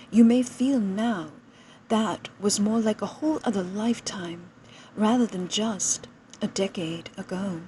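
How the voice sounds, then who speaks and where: Woman, seance medium in trance: solemn, stilted channeled monologue, dark mellow tone, some background noise. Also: mid-range voice, low-quality recording. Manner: seance medium speaking as a collective spirit guide, solemn and stilted. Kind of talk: channeled spiritual message, monologue.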